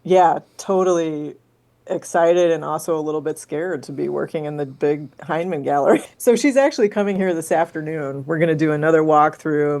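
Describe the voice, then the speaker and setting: A woman with a low voice talks about gallery shows on a radio arts program. She sounds chatty and enthusiastic. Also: darkish tone. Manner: chatty, enthusiastic, laughs easily. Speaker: gallery curator, guest. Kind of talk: radio interview.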